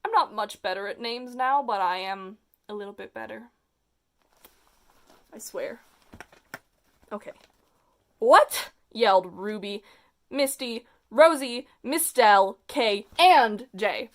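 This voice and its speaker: Young vlogger with a feminine voice, comedic reading of their own childhood story, self-mocking, big outbursts. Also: female voice, on the high side, slow pace.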